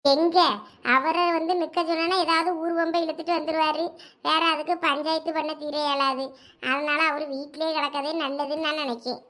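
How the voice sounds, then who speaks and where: Woman, Thoothukudi Tamil accent, very high voice, gossipy, complaining, comedy skit. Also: flat delivery, normal speed, pushed and bright.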